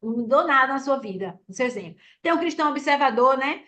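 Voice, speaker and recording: A woman's voice: high-pitched, lively intonation, quick pace, sharp tone. A woman preaching a sermon in a conversational, teaching way, often checking in with listeners by asking "né?". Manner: conversational, teaching, frequent "né?" tag questions.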